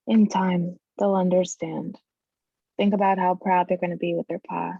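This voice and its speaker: Thin, phone-like audio carries a woman acting as a steadfast miner's wife and mother in a drama table read. Her voice is fairly low and creaky, with a plucky, sure manner. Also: level tone, normal speed, no echo. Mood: reassuring.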